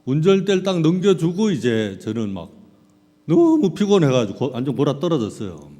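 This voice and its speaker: Man, middle-aged pastor, sermon, lively swooping pitch, mellow dark tone, long hall reverb. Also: normal speed. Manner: animated storytelling, acting out scenes. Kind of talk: sermon with personal stories. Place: large hall at a church camp.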